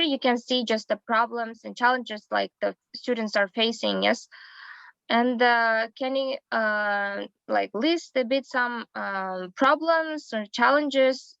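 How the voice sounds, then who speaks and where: A woman, a non-native English speaker, hosting an interview in English and asking halting questions with many fillers and pauses. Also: fairly high pitch, gravelly, a bit bright, no room sound, muffled recording. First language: not English. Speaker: host, English teacher.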